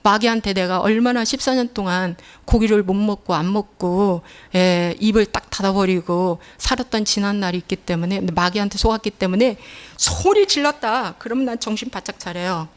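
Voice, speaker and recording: A woman's voice: mid-range voice, moderate pace. A middle-aged woman pastor preaching a sermon in a church, telling stories emphatically and acting out the scolding voices she quotes.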